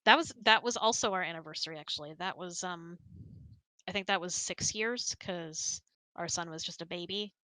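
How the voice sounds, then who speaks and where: A woman's voice: fairly low pitch, normal speed, bright, forceful tone, dry recording. A woman host chatting casually and answering audience questions in a giggly, chatty way.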